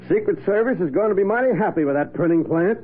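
An American actor playing a gruff, good-humored police sergeant with informal, folksy talk in a 1940s radio drama. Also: male voice, sits high, lively intonation, moderate pace. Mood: jovial. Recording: tinny, hissy 1940s radio recording.

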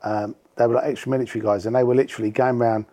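A middle-aged man with a medium-pitched voice. He hosts a podcast, asking questions and reminiscing in a casual, conversational way. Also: level tone, rapid-fire, mellow. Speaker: podcast host. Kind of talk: casual interview chat.

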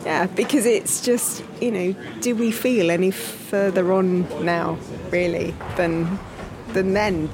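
A woman's voice: fairly low pitch, fairly even intonation, takes it slowly, hardly any pauses. Thoughtful middle-aged woman in a museum crowd. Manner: thoughtful, asks rhetorical questions. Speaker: museum visitor, mother. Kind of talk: reflective interview answers. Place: busy museum gallery indoors. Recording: busy museum crowd behind.

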